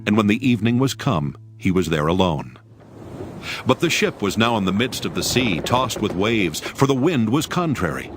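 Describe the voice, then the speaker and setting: A man's voice: lowish voice, sing-song, moderate pace, over music. A man narrating scripture in a dramatic, scripted audiobook style.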